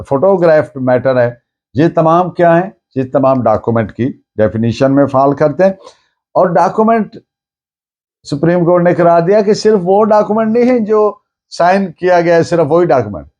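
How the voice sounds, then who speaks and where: A man with a Pakistani accent lecturing on a legal text, deliberate, restating things in other words as he explains. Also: a little high, darkish tone. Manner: deliberate, explains by repeating and rephrasing. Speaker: law lecturer.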